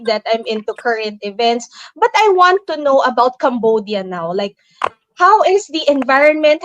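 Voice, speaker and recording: A young woman interviews a guest over a video call, her voice high and bright in pitch. She talks in a chatty, curious way with plenty of fillers. A faint hiss sits under the call. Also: poor audio. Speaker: host.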